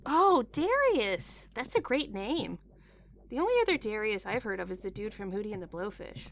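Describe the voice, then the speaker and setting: A woman's voice: medium pitch, very animated, normal speed, slight background noise. A woman playing a brash, chatty captive with a sassy, casual manner, in an audio drama. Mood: coaxing, chatty.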